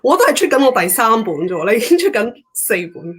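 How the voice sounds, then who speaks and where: A woman's voice: fairly high pitch, very animated, fast, crowd noise. A woman in her forties with a Hong Kong accent hosting a casual interview on a video call, chatty and mixing in English words. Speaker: host. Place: room at home.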